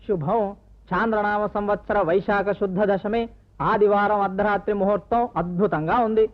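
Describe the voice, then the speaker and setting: An actor playing a priest who solemnly announces an auspicious wedding time in a film drama. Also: male voice, sits high, fairly even intonation, close to an everyday voice. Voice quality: measured, solemn chanting. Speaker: priest fixing a wedding date. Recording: dull old film soundtrack with music.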